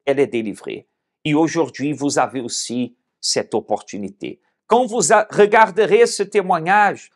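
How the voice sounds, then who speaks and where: A man with a high voice preaches at an unhurried pace, speaking straight to his listeners as host of a religious broadcast. He hammers his points home by repeating phrases, slowing down to lean on each one. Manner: emphatic, repeats phrases for weight. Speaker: pastor hosting a religious broadcast. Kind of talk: preaching appeal to viewers.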